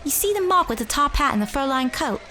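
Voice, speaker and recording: A woman's voice: high voice, animated, quick pace, pushed and bright. A woman playing a scrappy, bossy young street pickpocket who coaches in slang, in an audio drama. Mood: urgent coaching. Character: Rietta, scrappy streetwise young pickpocket mentor in old Boston.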